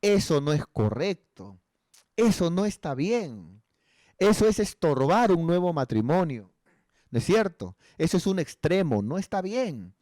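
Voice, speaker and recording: An earnest male pastor counsels his congregation in a conversational preaching style, often tagging his points with rhetorical questions. His voice sits a little high for a man. It sounds close and dry, with no room echo. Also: sing-song, measured pace, dark tone.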